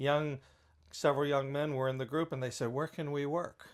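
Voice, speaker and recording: A plain, everyday voice with an American accent moves at a fairly quick pace on a very clean recording with a silent background. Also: man. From Pittsburgh, Pennsylvania (Carrick). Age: 60s. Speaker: neighborhood resident, former community council member. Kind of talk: talk show interview.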